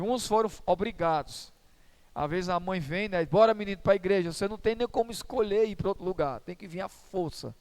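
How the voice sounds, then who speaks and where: A man's voice: sits high, darkish tone, clean tone. A man preaching a sermon in church as pastor, in a conversational, humorous storytelling manner.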